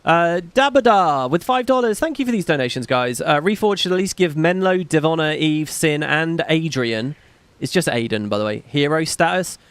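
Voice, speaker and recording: A man's voice: sits high, fairly bright tone, no echo. A man hosting a gaming livestream, rambling casually and swearing while he reads out viewer comments. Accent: slight British. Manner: rambling, profane, self-deprecating. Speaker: gaming streamer host. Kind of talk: casual livestream chat reading donations.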